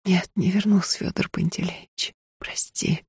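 Brief: quiet, restrained young woman singer, resolute, voiced by a woman narrator, dry close sound. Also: fairly low pitch, normal speed, slightly rough, no echo. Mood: soft resolute.

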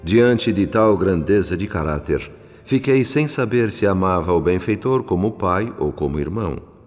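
A Brazilian man playing a humble, reverent narrator in a radio drama, speaking in a measured, literary and solemn way. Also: sits low, darkish tone. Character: reverent, moved male spirit narrator, humble disciple. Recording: long hall reverb, music behind. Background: music.

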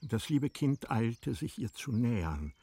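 A man narrating a literary radio play in a measured, formal storytelling manner. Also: mid-range voice, very animated, background noise.

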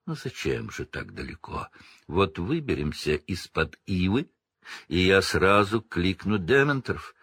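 A man's voice: low-pitched, fairly bright tone, slightly rough, no room sound, heavily acted. A man voicing a cold, vengeful middle-aged male professor who hisses and drawls menacingly, in a storybook reading. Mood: menacing gloat. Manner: hissing, menacing, slow drawl.

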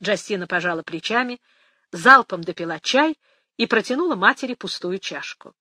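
A woman reading a novel aloud for an audiobook. Her pitch moves in a lively, animated way, and the sound is close and dry with no room around it. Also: moderate pace, no room sound. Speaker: audiobook narrator.

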